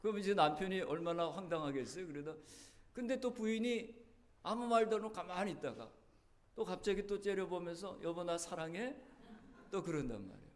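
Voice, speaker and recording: A man's voice: high-pitched, lively intonation, a little fast. A male pastor preaching a sermon in a church, telling the story earnestly, his voice rising and dropping. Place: church sanctuary.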